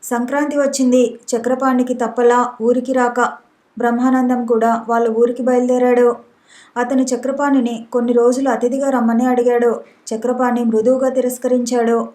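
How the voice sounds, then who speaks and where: A woman narrating a novel as an audiobook in a steady, even reading manner. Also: a little high, moderate pace. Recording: roomy echo.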